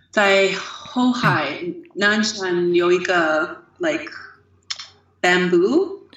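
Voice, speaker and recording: Speaking very slowly at a medium pitch with ordinary pitch variation, a woman is heard with audible room echo. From United States. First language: English (speaking Chinese). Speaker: Mandarin learner, expat. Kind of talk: casual chat. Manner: halting. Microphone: audio cutting in and out.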